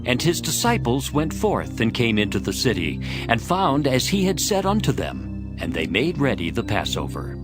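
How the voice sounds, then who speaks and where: A man's voice: mid-range voice, big pitch swings, normal speed. A man narrating scripture from a script for a dramatized audio Bible. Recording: music behind the voice. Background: background music.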